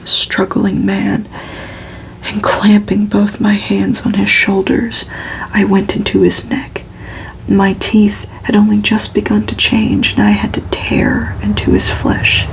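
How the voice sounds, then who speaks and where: A woman reading gothic fiction aloud in a soft, steady, unhurried ASMR whisper. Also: mid-range voice, gravelly, low-quality recording.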